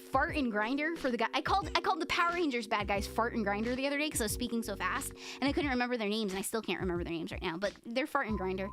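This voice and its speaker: A woman with an American accent talks at a very fast pace with hardly any pauses. Her fairly high pitch carries lively intonation over music in the background. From US Northeast, Central New Jersey. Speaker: vtuber streamer. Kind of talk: casual chat. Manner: loud.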